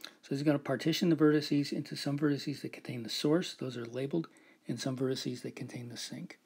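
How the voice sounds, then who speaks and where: A man's voice: medium pitch, steady tone, brisk, darkish tone, slightly rough. A man giving a recorded whiteboard lecture, explaining a math proof step by step and often checking in with "right?".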